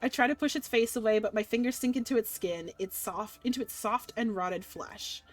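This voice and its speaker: A young woman reading a dark visual novel aloud in dramatic first person, breaking off for giggly asides. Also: a little high, brisk. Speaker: streamer playing a game.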